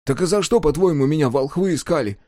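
An anxious peasant woodcarver, as a male reader plays him, pleads in thin, plaintive cries. The tone sits above the reader's usual pitch and stays warm and dark. The sound is dry and close, like a storybook read at a desk. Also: animated, fast, no echo.

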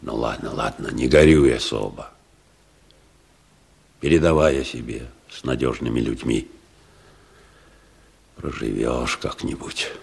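A man playing a stern, embittered old peasant father in a radio drama, gruff and curt, with speech. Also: rumbling low, a little slow, pauses often, heavily acted. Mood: grave, instructing. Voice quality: gravelly, husky.

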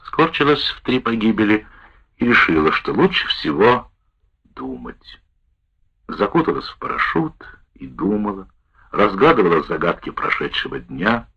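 A man narrates a wartime memoir in a low, husky voice. His measured reading moves through a wide, lively melody. The recording sounds dull and lo-fi. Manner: measured, expressive first-person reading.

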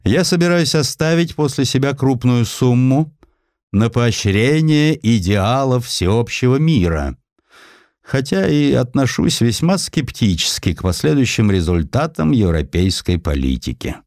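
A man's voice: medium pitch, very animated, a little slow, darkish tone, no echo, studio quality, voice pushed up. A man voicing a proud, embittered, cynical ageing industrialist in a declamatory, emphatic way for an audiobook. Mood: solemn, declaring. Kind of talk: acted quotes in an audiobook.

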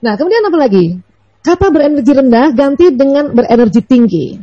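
A woman giving a lively, playful religious lecture to mothers, often asking the audience questions. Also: high voice, a little fast, lo-fi sound. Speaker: Islamic lecturer.

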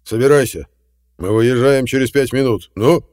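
A man voicing a domineering old colonel and grandfather in an audiobook, barking loud orders. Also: medium pitch, moderate pace, no room sound, studio quality, voice pushed up, lightly acted. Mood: commanding. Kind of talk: audiobook reading.

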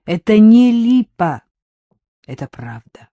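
A woman voicing a calm, firm middle-aged man who explains things in a level, measured way. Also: medium pitch, dry recording, voice pushed up.

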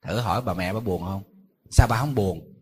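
Husky monk preaching. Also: male voice, sits low, normal speed. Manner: conversational storytelling with rhetorical questions to the audience. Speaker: Buddhist monk giving a dharma talk. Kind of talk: sermon.

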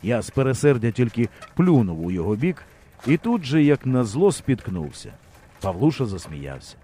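A man reading an audiobook in an expressive storyteller's way. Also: medium pitch, normal speed, a little hiss or hum. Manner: lively storyteller's delivery. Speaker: audiobook narrator.

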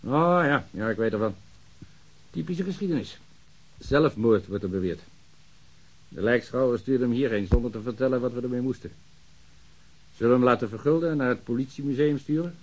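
A man's voice: mid-range voice, a little fast, pauses often, close to an everyday voice, rough recording. A man playing an overworked, sardonic police ballistics technician who grumbles and complains in a radio drama. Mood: dry, sardonic.

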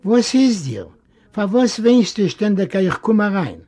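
A man's voice: sits high, big pitch swings, slow, warm tone, pitched above the performer's own voice, heavily acted. A man voicing a fussy, affectionate old uncle in a storybook reading. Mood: fussing. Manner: coaxing, fussing.

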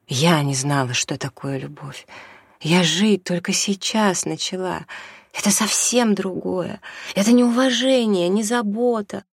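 A reader voicing a desperate mother torn by a new love, pleading in a husky, high, breaking voice. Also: no echo, studio quality. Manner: pleading, tearful, rising to high anguished pitch. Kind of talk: audiobook reading.

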